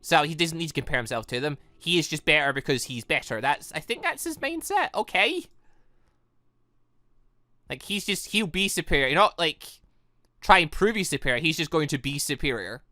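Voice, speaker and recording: A man's voice: a little high, expressive, normal speed, pushed and bright, no echo, studio quality. A man giving casual, rambling let's play commentary on a game, swearing now and then. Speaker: gaming video host.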